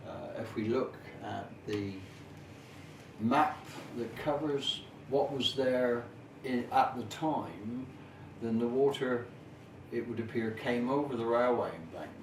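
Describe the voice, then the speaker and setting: Recorded on a distant camera microphone in a noisy, reverberant room, a middle-aged or older man with a mid-range voice delivers an informal yet detailed local history talk. His phrasing is measured and formal, with hesitant pauses throughout.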